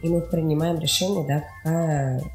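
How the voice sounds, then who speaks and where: Low-voiced woman explaining in a roomy space. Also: fairly even intonation, moderate pace, a little mellow. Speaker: animation studio production executive interviewed as guest. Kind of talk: explanatory interview answers. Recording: roomy echo with faint music behind.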